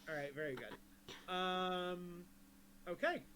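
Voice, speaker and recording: A woman's voice: fairly low pitch, very slow, fairly bright tone, a little hiss or hum. A woman running a tabletop game as game master, giggling often and hesitating with lots of ums.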